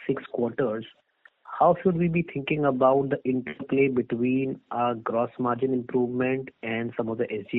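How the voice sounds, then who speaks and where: A man, an analyst asking a formal question on an earnings call. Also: medium pitch. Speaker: equity analyst. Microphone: phone. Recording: thin phone-line audio.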